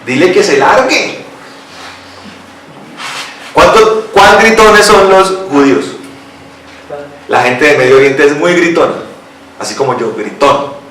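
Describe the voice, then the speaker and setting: A male pastor from Colombia preaching a lively sermon, asking questions of the congregation and reading scripture aloud. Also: a little high, measured pace, long pauses, a little hiss or hum. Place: church hall. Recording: echoey church hall, mic from a distance.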